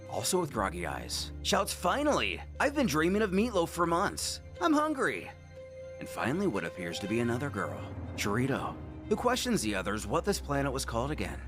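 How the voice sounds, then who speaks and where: A man narrating a scripted story recap with animated delivery and wry asides. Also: medium pitch. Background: faint background music.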